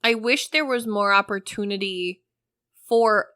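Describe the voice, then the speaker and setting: A woman's voice: medium pitch, a little slow, pushed and bright, no room sound, clean studio sound. A woman hosting a podcast, speaking in an emphatic, enthusiastic way. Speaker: podcast host. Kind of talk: casual podcast discussion.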